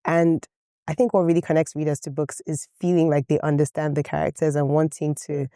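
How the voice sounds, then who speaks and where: A woman's voice: sits low, little pitch movement, brisk, dark tone, clear, resonant tone, no echo, clean studio sound. A woman whose first language is Yoruba, an author talking articulately in an interview and often saying "you know". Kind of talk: conversational interview.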